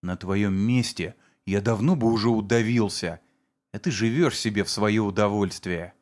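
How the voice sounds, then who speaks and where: A man voicing a vengeful man who sneers at and shouts accusations against his brother-in-law. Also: fairly low pitch, moderate pace, natural voice. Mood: furious.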